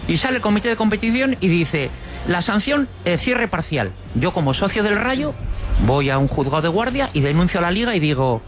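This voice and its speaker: Animated high-voiced male sports pundit. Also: a little fast, soft background music. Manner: emphatic, repeats phrases. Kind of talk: opinionated debate.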